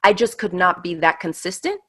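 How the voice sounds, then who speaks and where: A woman in her thirties, a guest in a casual interview, telling her story in an animated, quick way with laughs. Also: lowish voice. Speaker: guest, online craft teacher.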